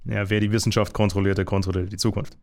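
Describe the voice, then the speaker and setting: A man with a fairly low voice holds forth in an unscripted monologue. He rambles, restarts sentences and fills pauses with hesitations as he goes. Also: little pitch movement. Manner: rambling, many fillers and restarts. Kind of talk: casual monologue.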